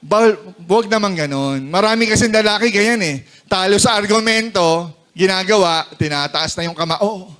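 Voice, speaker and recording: A young man with a Filipino accent preaches to his congregation, switching between Tagalog and English. His voice sits noticeably high for a man. He keeps asking the room to agree with him. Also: moderate pace, fairly bright tone. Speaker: pastor. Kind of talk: sermon.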